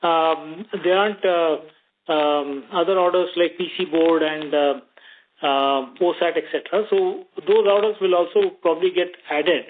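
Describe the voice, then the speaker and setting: Indian executive on a tinny phone line. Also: male voice, a little high, fairly even intonation, normal speed. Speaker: company executive. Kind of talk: earnings call remarks and answers. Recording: tinny narrow phone line, faint noise.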